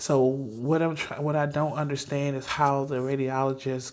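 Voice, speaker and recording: Over noticeable background noise, a woman speaks at a very deep, low pitch. Her pace is moderate and her intonation monotone and flat. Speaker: vlogger sharing a personal health update. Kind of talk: casual vlog monologue.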